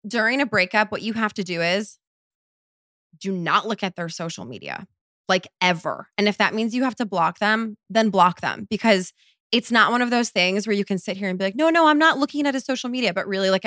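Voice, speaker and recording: A woman in her thirties hosts a casual solo podcast and answers listener questions. She talks bluntly and swears freely, her voice bright and forward. It is recorded dry and close, with no room sound at all. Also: mid-range voice, dry recording. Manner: blunt and profane, quick bursts with emphatic repeats. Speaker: podcast host.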